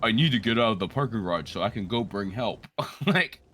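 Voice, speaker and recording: A man's voice: on the low side, lively intonation, brisk, fairly bright tone. A man co-hosting a gaming session in casual chat, rambling, joking and swearing freely. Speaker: gaming co-host. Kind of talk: casual chat over gameplay.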